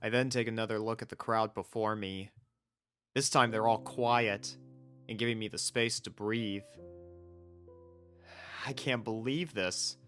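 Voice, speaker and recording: A man's voice: on the low side, steady tone, a little slow, long pauses, a bit bright, faint music behind. A man reading a first-person fan fiction story as its narrator.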